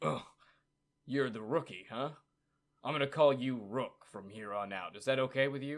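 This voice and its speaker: Using a gruff, put-on character voice at medium pitch, a man talks at a moderate pace with long, frequent pauses. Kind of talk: noir detective. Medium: actual play. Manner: gruff, blunt, offhand.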